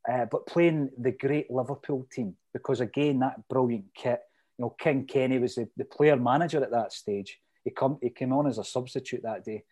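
Middle aged scottish guy w a fife accent, mellow voice, chatting away about old memories, lots of detail. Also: mid-range voice, normal speed. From Fife, Scotland. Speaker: interview guest, lifelong football supporter. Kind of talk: casual reminiscing chat.

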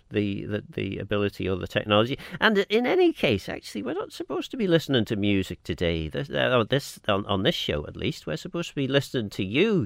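A man's voice: medium pitch, gravelly, a bit bright, no echo, studio quality. A man with a Manx accent hosts a radio phone-in, chatting casually and reading out listeners' texts in a hesitant, rambling way.

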